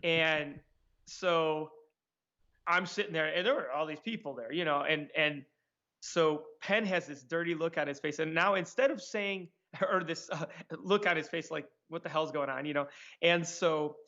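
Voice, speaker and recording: A man telling stories in a casual interview, acting out what people said in a higher voice. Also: unhurried. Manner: animated, acts out quotes in a higher voice. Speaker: magician guest. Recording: dull lo-fi sound.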